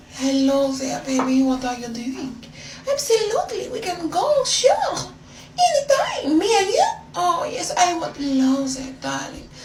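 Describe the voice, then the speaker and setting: A woman puts on a character voice in a French accent, high-pitched and fairly slow, with slight echo and clear background noise. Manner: flirty, sultry.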